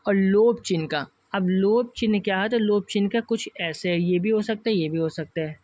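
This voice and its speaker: A man's voice: high voice, moderate pace, darkish tone, no echo. A man teaching an online exam-prep class with a north Indian Hindi accent, calling his viewers friends and going through each option patiently and repeatedly.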